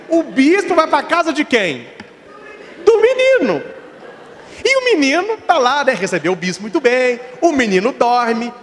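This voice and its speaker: A man, a priest, preaching with jokes and stories, animated and talking to the congregation, in a reverberant church. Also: very high-pitched. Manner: jokey, animated, talks to the audience. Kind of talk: humorous sermon storytelling.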